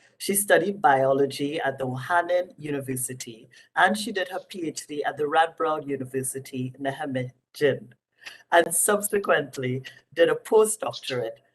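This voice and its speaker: A woman with a strong Caribbean accent, a very deep, low pitch, lively intonation and a moderate pace. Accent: heavy Caribbean. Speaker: associate librarian, webinar host. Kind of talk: webinar introduction, reading bios. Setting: online webinar.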